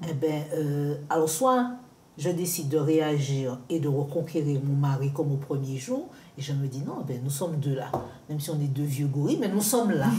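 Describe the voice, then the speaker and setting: A woman speaks at a moderate pace in a very deep, low pitch with ordinary pitch variation. Room echo is audible, and background noise is noticeable. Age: 60s. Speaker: guest speaking about her marriage. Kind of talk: talk show testimony.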